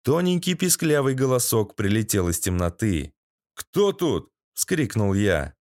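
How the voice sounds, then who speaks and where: A man's voice: lowish voice, lively intonation, normal speed, darkish tone, dry recording, clean studio sound. A man reading a first-person audiobook in a gritty, sardonic storytelling manner. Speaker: audiobook narrator.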